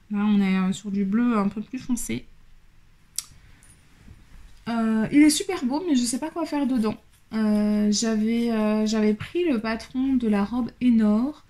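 A sewing vlogger chats casually through a fabric haul for her channel, handling and showing the fabric as she talks loosely with lots of fillers. Her voice is a little high, with a warm tone.

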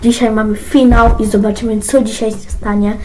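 A woman's voice: fairly high pitch, flat delivery, moderate pace, mellow, slight background noise, rough recording. A woman hosting a home-made series, chatting casually to viewers. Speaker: host. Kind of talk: casual vlog intro.

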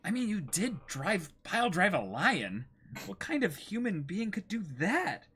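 A man's voice: high voice, big pitch swings, measured pace, a bit bright, slight background noise, pitched above the performer's own voice, heavily acted. A man voicing young pirate adventurers in an exclaiming, dramatic comic-book reading. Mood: teasing, amazed.

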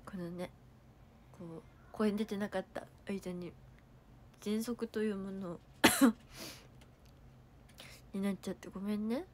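A woman's voice: mid-range voice, slow pace, pauses often, slight background noise. A young woman with a Kansai accent chatting on a livestream, reading viewer comments aloud and thanking them, with a cough and a sore throat. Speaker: idol livestreamer. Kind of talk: casual livestream chat.

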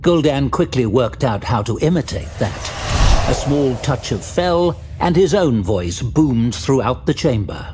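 A man's voice: medium pitch, expressive, unhurried, background noise. A man giving a dramatic scripted narration of a fantasy story. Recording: music behind the narration.

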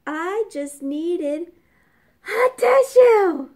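A woman's voice: animated, drawn-out words, darkish tone, heavily acted. A woman voicing a sniffling male wolf with a bad cold, pleading in a whiny, teary voice. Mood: tearful. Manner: whiny, teary pleading that rises to a high wail.

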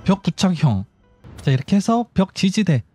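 A man walks through building a factory in a game, his voice mellow and dark in tone yet pitched a little high. His delivery rises and falls a lot as he explains each step. Soft music plays underneath. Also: very animated, moderate pace, husky. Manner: instructive, talks himself through building steps. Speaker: gaming YouTuber. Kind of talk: game commentary.

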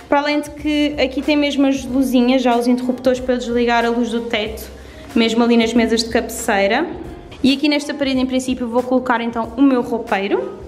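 A young woman in her twenties with a European Portuguese accent, chatting upbeat through a house tour vlog, filmed on a handheld camera in an empty flat. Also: on the high side, reverberant. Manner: chatty and upbeat, fond of diminutives. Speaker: vlogger. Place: empty renovated flat indoors. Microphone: handheld camera at arm's length.

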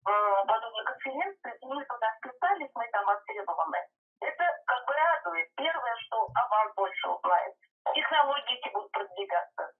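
High-voiced woman on a tinny phone line. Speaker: schoolteacher and phone-in guest. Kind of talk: earnest monologue on a phone call. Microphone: telephone through a speaker.

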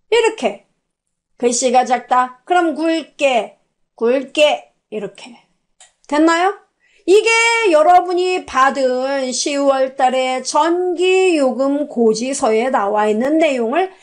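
A woman teaching a spreadsheet tutorial over her screen, chatty, putting questions to the class and answering them herself. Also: high voice. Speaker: computer instructor. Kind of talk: spoken software tutorial.

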